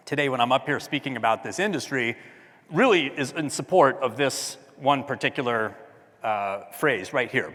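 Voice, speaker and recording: A man giving a talk at a design conference, chatty and loud, often asking the audience questions. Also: medium pitch, long reverb tail. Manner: loud speaking voice. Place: large hall with audience.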